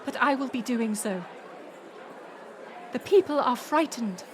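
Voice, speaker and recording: A woman's voice: fairly high pitch, lively intonation, unhurried, a little hiss or hum. A woman playing a proud, weary middle-aged queen mother in a dramatic audio roleplay, formal and commanding. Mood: commanding, defensive. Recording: music and crowd murmur behind. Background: music and banquet crowd.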